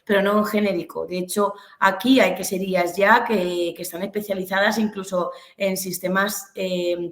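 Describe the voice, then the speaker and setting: A woman from Spain with a Castilian accent giving an informal online lecture, explaining hesitantly and searching for words. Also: fairly low pitch. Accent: Castilian Spanish. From Albacete, Castilla-La Mancha, Spain. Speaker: webinar presenter, business instructor. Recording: echoey room sound.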